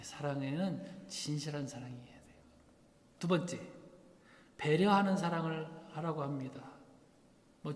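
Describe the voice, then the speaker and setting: A male pastor preaching in a church sanctuary, his voice sitting a little high for a man. He keeps putting rhetorical questions to the congregation and acts out the lines he quotes. A long hall reverb trails after each phrase. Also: a little mellow. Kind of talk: sermon.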